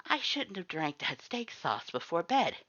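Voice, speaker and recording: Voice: medium pitch, very animated, measured pace, a bit bright, lo-fi sound, pitched above the performer's own voice, heavily acted. A performer voicing a dazed, laid-back male skeleton monster who mutters to himself in disbelief in a story reading.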